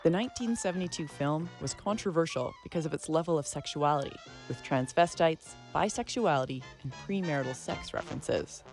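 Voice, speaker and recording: A woman presents a radio arts feature in a low voice. She reads from a script, with faint music around her narration. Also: fairly quick, few pauses, darkish tone. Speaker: radio arts show host.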